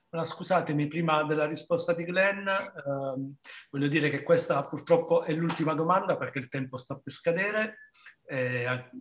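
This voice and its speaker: Over light background noise, a man talks at a fairly quick pace in a somewhat breathy voice, fairly high in pitch with ordinary variation. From Italy. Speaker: festival director; festival host, moderator. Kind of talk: event presentation. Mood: warm, grateful. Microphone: video call.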